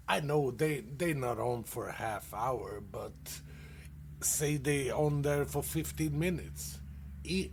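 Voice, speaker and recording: A man from Sweden, hosting a dad-joke comedy show and laughing loudly at his own punchlines. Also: medium pitch, vocal fry, slight background noise. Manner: casual, calls listeners dude. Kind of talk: dad-joke stand-up on internet radio.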